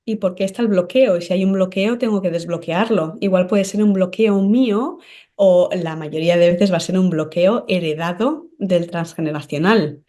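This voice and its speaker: A woman's voice: fairly low pitch, moderate pace, warm tone. A woman guest on a podcast, a medium and psychic, explaining in an earnest, teacherly way and often checking in with the host. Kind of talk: conversational podcast interview.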